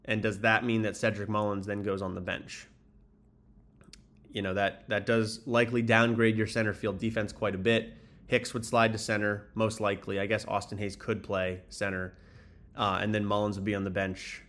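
A man's voice: on the low side, level tone, normal speed, a bit bright. Man hosting a podcast in an echoey room. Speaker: sports podcast host. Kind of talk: solo baseball commentary, casual. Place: echoey indoor spot. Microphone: makeshift mic, not the proper one. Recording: echoey room, improper microphone.

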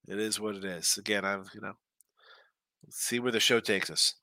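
A man with a stuffy, congested nose hosts a live sports betting stream, chatting loosely through viewer comments and picks. His voice is very bright and edgy, and the recording is dry and close with no room sound. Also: fairly low pitch, fairly even intonation, moderate pace, dry recording. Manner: chatty and loose, with frequent restarts and asides. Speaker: sports betting show host.

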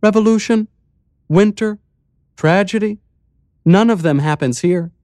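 A man voicing a calm, cryptic village mayor, a woman with a hollow, weirdly musical voice, in an audiobook. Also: sits high, no echo, voice pushed up. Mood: serene. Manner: serene, measured, cryptic. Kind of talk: audiobook character voice.

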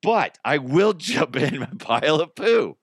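A man's voice: on the high side, very animated, unhurried, breathy edge, no echo. Casual male comedy podcaster, very dry sound. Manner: jokey, crude, acts out imagined exchanges. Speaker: podcast host. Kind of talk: casual comedic solo monologue.

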